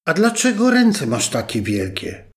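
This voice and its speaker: A man voicing a sweet little girl in a red hood in a read fairy tale, high and wide-eyed. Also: wildly swooping pitch, a little slow. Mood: innocent.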